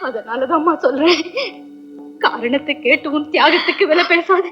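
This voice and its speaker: A woman's voice: high voice, normal speed, natural voice. Woman playing an anguished elder sister, weepy, pleading, old dull soundtrack with music under it. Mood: tearful pleading. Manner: tearful, pleading. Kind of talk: 1960s film acting.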